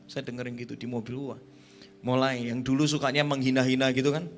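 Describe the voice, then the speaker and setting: A man preaching a sermon at a youth conference, emphatic, with sudden high exclamations. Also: level tone, brisk, soft background music.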